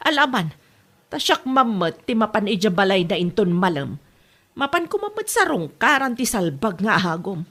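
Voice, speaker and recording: Woman playing a gentle, stubborn mother with an Ilocano accent. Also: medium pitch, big pitch swings, normal speed. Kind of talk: scripted drama acting.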